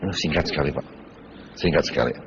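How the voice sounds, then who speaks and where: A man's voice: very deep voice, quick pace. A man guest recalling his near-death experience in plain, hesitant words. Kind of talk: personal testimony. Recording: dull lo-fi TV audio, faint noise.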